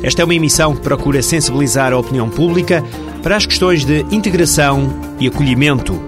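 A male radio host reading a scripted narration in a measured announcer style. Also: a little high. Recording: radio show with music bed. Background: music.

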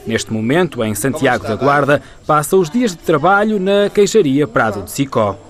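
A man with a European Portuguese accent reading a news report voice-over in a measured, even manner. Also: medium pitch. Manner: measured, even storytelling delivery.

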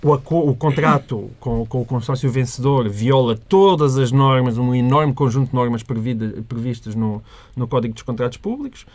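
A man's voice: mid-range voice, normal speed, a little mellow. A man with a European Portuguese accent, a panelist arguing in casual debate chat, stammering and restarting before building to emphatic points.

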